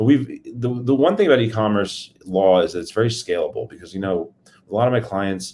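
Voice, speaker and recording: With a New Jersey accent, a man talks at a fairly quick pace in a medium pitch and a dark, mellow tone, his pitch varying in an ordinary way while his loudness swings widely. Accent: New Jersey American. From US Northeast, New Jersey. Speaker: lawyer. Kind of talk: interview. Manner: fast.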